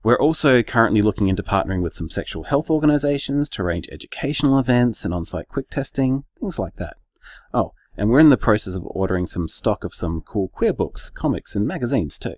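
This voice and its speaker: An actor playing an earnest gay bar co-owner in a radio drama interview, with an Australian accent and an articulate, measured manner. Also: male voice, fairly low pitch, big pitch swings, no echo, studio quality.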